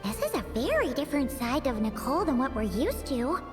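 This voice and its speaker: A pint-sized floating companion from a fantasy game with a very high, sharply bouncing voice. She is cheeky and blunt, always ready to scold someone or fret over an awkward moment. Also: very animated, fairly quick, music in the background. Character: tiny floating female companion creature, chirpy, blunt. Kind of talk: video game voice acting.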